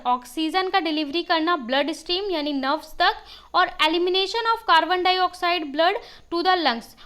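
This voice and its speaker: A woman teacher with a sore throat reads English worksheet lines slowly, then explains them step by step, often asking students questions. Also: sits high, a bit bright. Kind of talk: worksheet lesson for school students.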